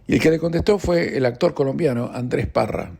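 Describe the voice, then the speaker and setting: A man's voice: medium pitch, brisk, gravelly, darkish tone. A man with an Argentine accent hosting a radio news show, chatting casually with wry, ironic asides. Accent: Argentine Spanish. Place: radio studio.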